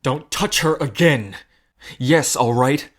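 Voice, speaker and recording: A man's voice: mid-range voice, slow pace. A man playing an earnest, desperate bartender bluffing as a gambler, in naturalistic audio drama style. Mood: desperate, protective.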